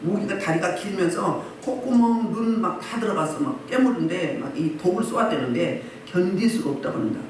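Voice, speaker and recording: Woman pastor, emphatic sermon delivery, lively swooping pitch, boomy church hall sound. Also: brisk, few pauses, slight background noise. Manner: emphatic, fires rhetorical questions at the congregation. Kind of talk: sermon at a healing service. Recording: very echoey hall, mic at a distance.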